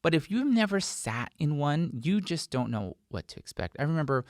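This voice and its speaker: Speaking into a close desk mic in a small post-production studio, an American host and sound mixer in his forties gives conversational instruction and drives his advice home emphatically. His voice is a little high, swinging widely in pitch at a moderate pace, and the recording is dry and clean.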